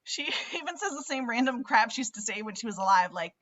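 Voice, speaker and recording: A woman's voice: fairly high pitch, lively intonation, a little fast, fairly bright tone. A woman playing an earnest, conflicted teenage girl in a table read of a film script. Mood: wistful, anxious. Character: Max, earnest, conflicted teenage girl grieving her mother.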